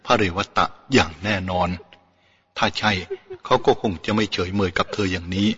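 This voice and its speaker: A man's voice: lowish voice, a bit bright, husky, in a large hall. A man voicing an anxious, protective elderly Brahmin uncle in an audiobook reading. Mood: pleading. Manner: slow, shaky, then firm and earnest. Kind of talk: audiobook character voice. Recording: dull lo-fi with faint music.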